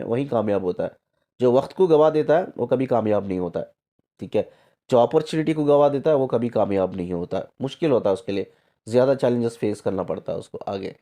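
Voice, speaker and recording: Mellow-voiced man giving a spiritual talk. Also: medium pitch. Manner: repetitive, rhetorical questions, frequent "theek hai" checks; mixes English phrases into Hindi. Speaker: spiritual coach. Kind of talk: explanatory talk to camera.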